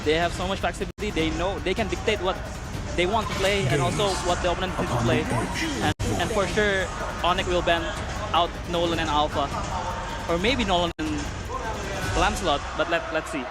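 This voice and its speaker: A man's voice: high voice, fairly even intonation, a little fast, loud music behind the voice, rough recording. A man, a coach working as analyst, speaking in short hedging sentences with restarts. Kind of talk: esports desk analysis.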